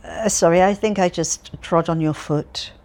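A woman's voice: on the low side, a little slow, darkish tone. A woman voicing a chatty cheerful old man. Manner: rambling, stumbling, relentlessly upbeat. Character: cheerful chatty elderly man, tiresome and friendly. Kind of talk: audiobook character reading.

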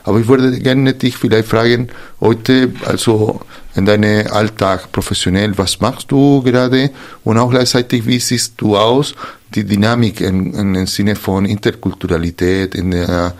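Low voiced guy hosting an interview, lots of umms and restarts. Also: fairly even intonation, normal speed. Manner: hesitant, searching for words, many fillers and restarts. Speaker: interview host. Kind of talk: reflective interview talk.

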